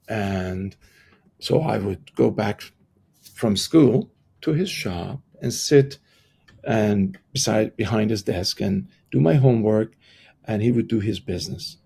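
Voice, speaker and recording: A middle-aged man with an Iranian accent speaks in a husky voice full of creak. He is a guest in an interview, sharing personal stories in a reflective, conversational way. His English is that of a Persian speaker. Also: fairly low pitch, unhurried, dark tone. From Iran. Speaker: podcast guest, transformational coach.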